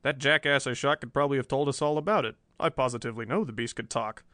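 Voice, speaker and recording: A man playing a cheerful male reporter, easygoing, soothing, soft-spoken. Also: medium pitch, fast, dry recording, clean studio sound, close to an everyday voice.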